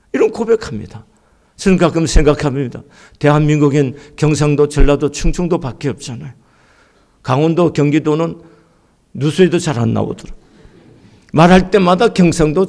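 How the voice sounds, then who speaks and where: A middle-aged pastor from Gangwon Province delivers a sermon with fervor. His voice sits high for a man and leaps widely up and down. He moves between soaring lines and near-hushed ones. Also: creaky. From Gangwon Province, Korea. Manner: impassioned preaching, swings from soaring to hushed.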